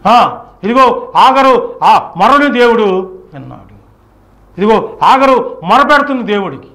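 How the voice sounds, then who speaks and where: Male preacher, high-pitched voice; fervent, emphatic exhortation in a church sermon style. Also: lively intonation, measured pace, pushed and bright. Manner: exhortatory, emphatic, repetitive rhetorical questions.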